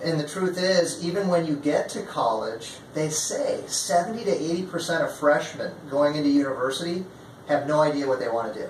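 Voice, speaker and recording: Audible room echo and noticeable background noise surround this voice. A man with an American accent speaks with ordinary pitch variation. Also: fairly quick pace. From Togo, West Africa. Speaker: English school academic director. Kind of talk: interview.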